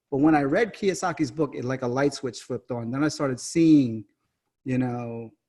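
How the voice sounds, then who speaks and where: Over a silent background on a very clean recording, a man with a slight Indian accent speaks at medium pitch with ordinary pitch variation and a dark, mellow tone. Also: moderate pace. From United States. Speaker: real estate investor. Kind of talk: interview. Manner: halting.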